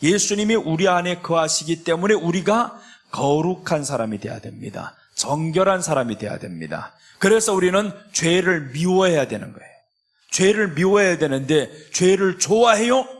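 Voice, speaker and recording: A man's voice: a little high, lively intonation, moderate pace. A man preaching a sermon as a pastor, speaking emphatically and acting out the lines of biblical characters in quoted voices. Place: church sanctuary.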